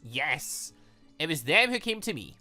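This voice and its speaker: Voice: medium pitch, big pitch swings, a little slow, sharp tone, soft background music, heavily acted. Someone reading as a brash young woman fighter. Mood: assertive. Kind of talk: reading visual novel dialogue aloud.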